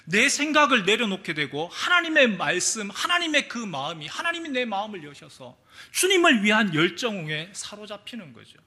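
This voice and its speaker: Male pastor, sermon delivery; lively, swooping pitch, storyteller who acts out quotes. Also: moderate pace, few pauses. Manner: animated storytelling, acting out quotes. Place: church sanctuary.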